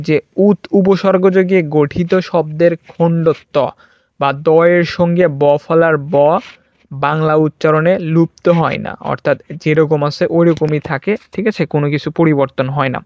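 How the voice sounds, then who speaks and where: A man's voice: a little high, fairly even intonation, normal speed, a little mellow, dry recording. A young man, tutoring students through grammar rules for an exam, repeating points and checking that they follow. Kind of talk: exam-prep grammar lesson. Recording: dull lo-fi dry recording.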